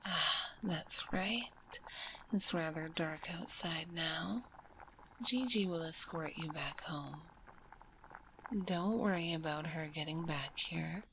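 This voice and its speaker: A woman voicing a gentle, caring witch healer in an ASMR roleplay, whispering softly and soothingly close to a binaural microphone. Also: low-pitched, a little hiss or hum, heavily acted, rough recording. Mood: tender, reassuring. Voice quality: soft, breathy whisper. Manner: soothing, unhurried, nurturing. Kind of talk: ASMR roleplay, addressing the listener.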